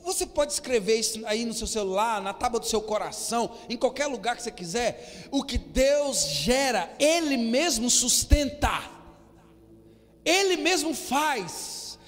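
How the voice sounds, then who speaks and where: A man preaching a sermon as a pastor to his congregation, sometimes rising to a shout. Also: extremely high pitch, lively intonation, measured pace. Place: church hall. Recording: long hall reverb, faint music.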